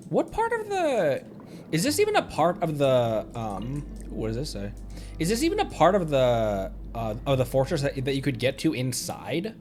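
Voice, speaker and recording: Very animated man streaming a game. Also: medium pitch, normal speed, slight background noise. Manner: musing aloud to himself. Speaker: livestreamer playing a video game. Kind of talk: casual stream commentary.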